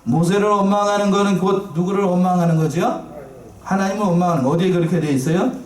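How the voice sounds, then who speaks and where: A man preaching a sermon as pastor, lively and playful, asking his congregation questions. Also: high voice, fast talker. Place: church sanctuary. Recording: echoey church from far off.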